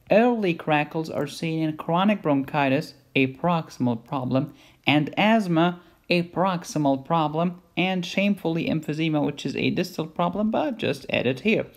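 A man giving an informal medical lecture in a playful, blunt and emphatic way. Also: a little high. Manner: playful, blunt, emphatic teaching with mild cursing.

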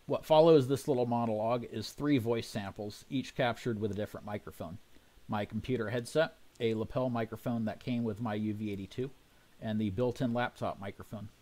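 A man reading a scripted technical narration in a measured, explanatory way. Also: mid-range voice, fairly even intonation, dark tone. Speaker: amateur radio experimenter.

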